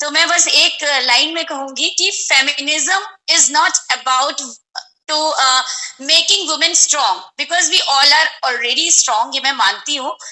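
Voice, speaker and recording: A woman's high-pitched voice, ordinary pitch variation, fairly slow pace. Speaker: headmistress and chief guest speaker. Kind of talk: speech at online event. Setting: video call from a car.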